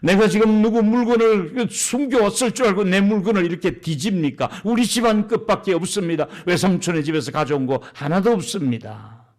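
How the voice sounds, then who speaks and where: A pastor acting out Jacob, a man who feels cheated, with his grievances spilling out in question after question. The voice sits high for a man. It carries the tone of a bitter complaint told in a sermon. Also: a little mellow. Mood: aggrieved. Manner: indignant, rapid run of rhetorical questions. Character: aggrieved Jacob, grown man protesting years of unfair treatment.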